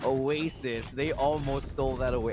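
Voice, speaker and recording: A man at a fairly high pitch and moderate pace, with audible room echo and music in the background. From Philippines. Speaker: esports caster. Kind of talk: live commentary. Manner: animated.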